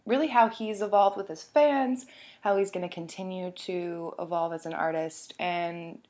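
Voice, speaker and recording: Chatty woman with a sick, hoarse voice. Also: lowish voice, normal speed, a little mellow. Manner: chatty and upbeat, with many fillers. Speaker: podcast host. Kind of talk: casual podcast chat and phone interview. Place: home basement.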